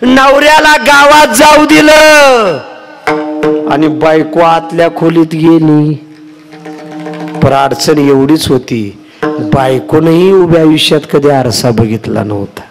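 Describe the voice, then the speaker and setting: Gravelly, high-voiced man preaching. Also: unhurried, music in the background. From Karnataka. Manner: lively, theatrical storytelling. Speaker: kirtan preacher. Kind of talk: devotional storytelling sermon. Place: temple festival.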